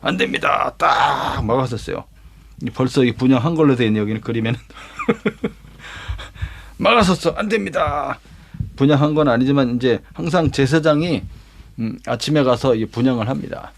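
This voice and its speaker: Telling a Bible story as a lesson, this male pastor has a creaky, mid-range, expressive voice at a moderate pace. He performs the quoted lines himself and keeps it dramatic with rhetorical questions and vivid sound words.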